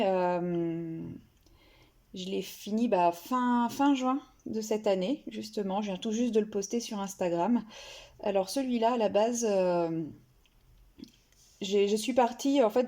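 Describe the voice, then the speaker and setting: Woman, hobby vlogger, casual show-and-tell, hesitant, lots of fillers, mellow tone. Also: medium pitch. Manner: hesitant, many fillers and restarts.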